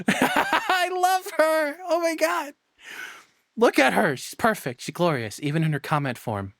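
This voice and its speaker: A man's voice: extremely high pitch, big pitch swings, measured pace, a bit bright, no echo, studio quality. A man giving casual, crude and profane commentary as a streamer reacting to a video.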